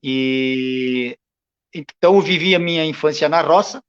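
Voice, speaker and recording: A man's voice: a little high, measured pace, clean tone, lo-fi sound. A man from Brazil, a guest telling his story in a casual interview, hesitant and full of fillers. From southern Brazil. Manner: hesitant, many fillers and restarts. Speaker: guest, writer and cultural association president.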